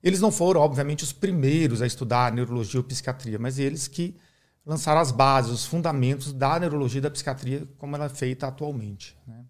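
A middle-aged man from Brazil speaks as a podcast guest, walking through medical ideas in a calm, teacherly way. His voice sits in an ordinary middle register, and he keeps checking in with the listener as he goes. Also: medium pitch. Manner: measured, didactic, uses many "né?" tags. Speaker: neurologist guest. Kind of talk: explanatory podcast interview.

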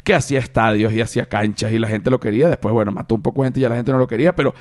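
A young Venezuelan man hosts a casual podcast, his voice sitting at an ordinary middle pitch. He rambles in an animated way, backing up and restarting his sentences as he goes. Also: racing. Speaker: podcast host.

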